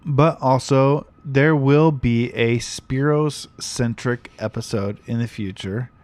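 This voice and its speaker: A man's voice: mid-range voice, slow, a little mellow. Playful man chatting in a garage. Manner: playful, riffs on accents and voices. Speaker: podcast co-host. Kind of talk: casual chat.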